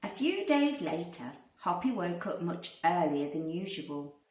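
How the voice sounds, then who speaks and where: Slow, lively woman reading a storybook, roomy. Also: lowish voice. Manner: expressive, deliberate, addressing young children. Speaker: primary school teacher reading aloud. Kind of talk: children's storybook narration. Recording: roomy, distant microphone.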